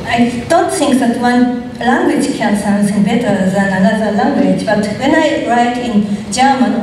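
A middle-aged woman whose first language is Japanese, speaking thoughtful, halting English with a Japanese accent in an onstage literary conversation. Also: fairly high pitch, darkish tone. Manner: slow, thoughtful, halting non-native English with pauses. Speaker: writer being interviewed on stage. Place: large auditorium stage. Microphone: stand mic, recorded from far off. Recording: echoey hall from far off, audience noise.

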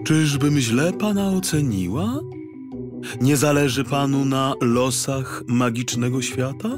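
A man voicing a commanding, courteous female president in a children's audiobook, formal and measured. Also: medium pitch, music in the background, voice pushed up, natural voice. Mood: probing.

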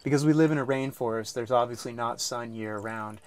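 His smooth, mid-range voice moving a little fast, a farmer and craftsman in his forties casually tours his small farm, indoors and outdoors. The American man earnestly and practically walks through his handmade off-grid setup step by step.

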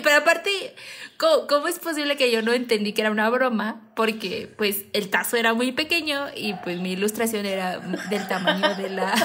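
A woman with a Mexican accent, co-hosting a podcast in casual chat, telling stories in an animated way. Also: on the high side. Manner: animated storytelling, acts out quoted voices. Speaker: podcast co-host.

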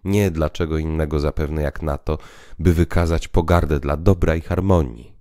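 A man's voice: rumbling low, fairly even intonation, normal speed, warm tone, dry recording, studio quality. A man voicing a bitter, despairing freed prisoner who declaims solemnly in a dramatic literary monologue. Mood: grave, despairing.

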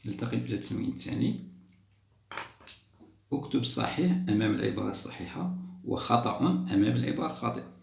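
Gravelly-voiced man teaching young pupils. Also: lowish voice, a little mellow, roomy sound. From Algeria. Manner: patient, repeats and praises pupils. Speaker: primary school teacher. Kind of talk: explaining a school test to children.

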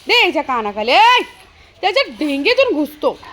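A woman's voice: sits high, very animated, normal speed, fairly bright tone. A woman vlogging outdoors as she teases and scolds her dog, laughing often. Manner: scolding and teasing, with frequent laughter. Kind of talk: casual vlog talk to her dog. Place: outdoors in an open ground.

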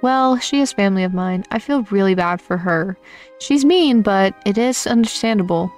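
A woman playing a gentle, weary, expressive teenage girl in a game roleplay drama. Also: mid-range voice, normal speed, soft background music, close to an everyday voice. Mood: weary, pleading. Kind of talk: acted Roblox roleplay drama.

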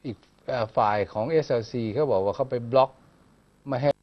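A man talks quickly and colloquially about the news, often pressing his co-host with questions. His pitch sits in the middle range. The audio is dull and lo-fi. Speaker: news talk show co-host. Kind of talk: conversational news commentary.

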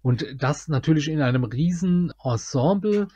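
A man's voice: a little high, lively intonation, moderate pace, mellow, breathy edge, no room sound. A man co-hosting a podcast in casual chat, talking in long winding sentences. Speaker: podcast co-host.

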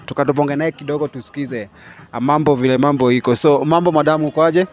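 A man's voice: on the high side, steady tone, fast talker, faint music behind. Chatty young Kenyan man hosting outdoors. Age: young adult. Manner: chatty, mixing Swahili and English slang. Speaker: street interview host. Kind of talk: casual street interview. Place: outdoors on a shop front bench.

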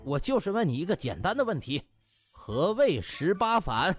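A man acting cocky young medic, audiobook comedy, mocking mock-politeness, animated pitch, music behind. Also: breathy edge, full character voice. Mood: feigned politeness. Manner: teasing, drawn-out interjections and chuckles. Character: smug mocking young male trainee doctor, playful teasing rogue.

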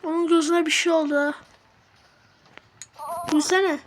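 A woman's voice: very high voice, fairly even intonation, a little slow, a little hiss or hum. A woman commenting on a horror game as she plays. She swears, mutters prayers when scared and shrieks when startled. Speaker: gamer.

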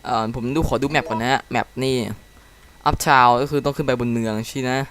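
A man giving casual commentary while playing a game. He reacts excitedly and reads the dialogue aloud. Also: medium pitch, normal speed, clear, resonant tone. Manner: chatty, explains controls to viewers. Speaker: game let's-play commentator.

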